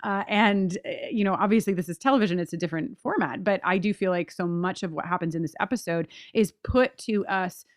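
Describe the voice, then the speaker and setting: Female podcast co-host, slightly low pitch, casual but emphatic analytical chat, very dry recording. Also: brisk, few pauses, dry recording.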